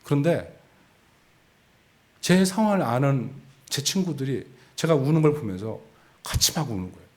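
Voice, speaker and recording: A man's voice: medium pitch, sing-song, moderate pace, long pauses. A male pastor preaching a sermon, telling his own story and acting out the voices of people in it with a self-mocking laugh. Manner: storytelling, acts out quoted voices, laughs at himself. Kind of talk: sermon with personal testimony.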